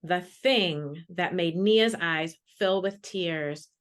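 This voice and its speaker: A woman's voice: on the low side, slow. A woman, a children's author, introducing and reading her picture book to classrooms over a video call.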